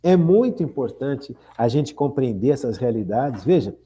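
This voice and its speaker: An earnest radio host in his sixties, accented in Brazilian Portuguese, talks about spiritual matters reflectively and with great animation. His voice is medium-pitched and dark, at a moderate pace. He repeats phrases and keeps asking his listeners questions.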